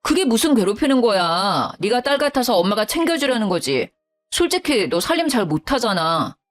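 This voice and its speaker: A woman's voice: a little high, sing-song, normal speed, faint music behind. Woman reading an irritable young husband in an audio story, sulky and reproachful, barely disguised. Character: irritable young husband siding with his mother.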